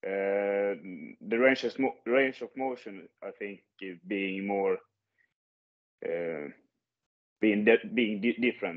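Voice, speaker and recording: In a Swedish accent, a man with a fairly low pitch and ordinary pitch variation talks. He goes at a very slow pace, with long, frequent pauses. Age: 20s. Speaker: powerlifter. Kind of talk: interview. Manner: halting.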